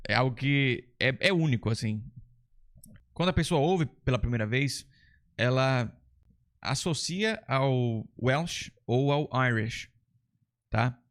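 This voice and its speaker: A man's voice: mid-range voice, animated, slow pace, long pauses. A man from Brazil with a Brazilian Portuguese accent hosting a casual lesson, explaining things step by step in a chatty, enthusiastic way. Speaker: English teacher and channel host.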